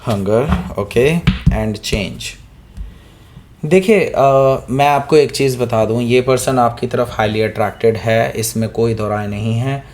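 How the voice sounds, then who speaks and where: A man with a hoarse throat giving a weekly tarot reading, talking straight to the viewer, often checking in with "okay?" and mixing in English words. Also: mid-range voice, measured pace, a little mellow, slight background noise. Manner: keeps asking "okay?" to the listener, mixes in English words. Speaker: tarot reader.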